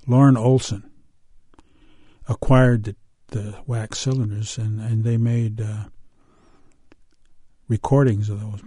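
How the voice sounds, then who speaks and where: An older man from the US Pacific Northwest speaks as a storyteller, unhurried and halting, with many pauses and fillers. His voice is low and mellow. The sound is dry and close. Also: slightly rough, dry recording. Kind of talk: oral storytelling and interview.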